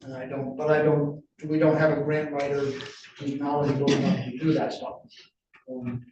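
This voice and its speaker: A man with a New England accent speaking at a public meeting as a board member, halting, with many restarts and fillers. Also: a little high, vocal fry. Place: county meeting room. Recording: roomy, distant, dull sound with faint noise.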